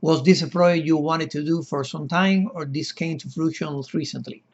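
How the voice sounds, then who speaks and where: Cuban-born male host in his fifties, earnest and effusive, a somewhat high voice with slightly dull lo-fi sound. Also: steady tone, normal speed. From Cuba. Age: 50s. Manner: earnest, effusive and formally worded. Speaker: podcast host. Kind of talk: formal interview hosting.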